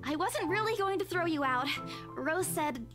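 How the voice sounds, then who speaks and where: High, animated young woman, brisk, visual novel, music behind. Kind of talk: voiced visual novel dialogue. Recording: game audio with background music.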